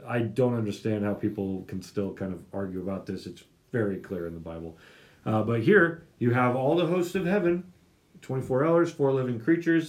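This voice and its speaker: A young man hosting a casual Bible study chat, explaining a passage with many fillers and restarts. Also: mid-range voice. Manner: chatty, lots of fillers and restarts. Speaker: Bible study podcast host.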